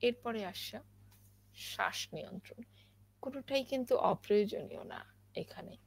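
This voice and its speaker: A woman giving a spoken lesson on poetry recitation, explaining slowly with many pauses and fillers. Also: medium pitch, lively intonation, vocal fry, breathy edge. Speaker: recitation teacher.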